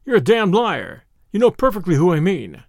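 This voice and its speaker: A man's voice: high voice, huge pitch swings, normal speed, vocal fry, no room sound, clean studio sound, full character voice. A man voicing a young American who threatens cheerfully and cockily in a drawl, in storybook dialogue. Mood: menacing. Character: cocky, menacing young American man with revolver. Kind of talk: dramatised audiobook dialogue.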